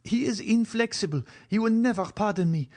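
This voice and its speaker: A man's voice: sits high, fairly quick, darkish tone, pitched above the performer's own voice. A man voicing a devoted, anguished young woman who pleads tearfully in an audiobook reading. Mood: impassioned.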